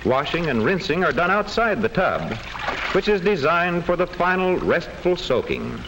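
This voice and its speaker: A man narrates an old classroom film in a fairly high, very animated voice. His delivery is scripted and explanatory, on a noisy vintage soundtrack. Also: moderate pace.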